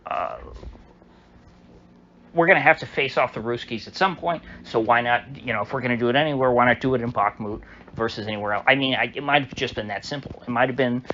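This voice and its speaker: A man's voice: medium pitch, a little fast, bright, forceful tone. A man giving casual solo commentary, rambling and hesitant, full of fillers and restarts. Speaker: political commentator. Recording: dull lo-fi audio with faint hiss.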